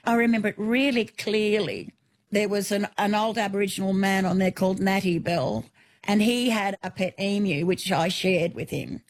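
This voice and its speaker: An Australian woman in her sixties speaks as a radio guest at a middle pitch. She recalls her childhood in a storytelling way, piling up vivid lists of details and restarting now and then. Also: normal speed. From New South Wales, Australia. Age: 60s. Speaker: author and guest. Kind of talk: radio interview.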